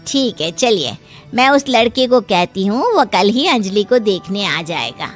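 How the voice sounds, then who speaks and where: A woman voicing a meddling, pushy middle-aged aunt in an animated story. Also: medium pitch, a little slow, soft background music. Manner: pushy, busybody.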